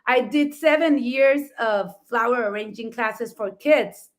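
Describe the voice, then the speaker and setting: A woman's voice: on the high side, unhurried. A middle-aged woman from Mexico with a Mexican accent, a native Spanish speaker, telling personal stories emphatically and effusively as a talk show host.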